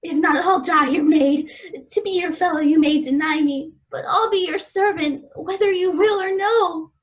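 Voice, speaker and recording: A woman's voice: extremely high pitch, normal speed. A woman playing an innocent, lovestruck young maiden, speaking earnest formal verse in a Shakespearean radio play.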